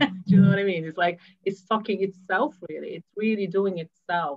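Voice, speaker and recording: In a Polish accent, a woman speaks at a moderate pace and medium pitch, with ordinary pitch variation and big swings in loudness. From Poland. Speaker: psychotherapist and YouTube host. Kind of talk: interview conversation.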